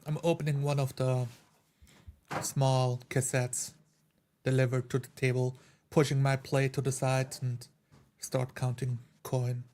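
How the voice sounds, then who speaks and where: A man with a very even, deadpan delivery narrates what his game character does. He is matter-of-fact, over a slightly noisy mic with clicks. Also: medium pitch, a little slow. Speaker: tabletop roleplaying player.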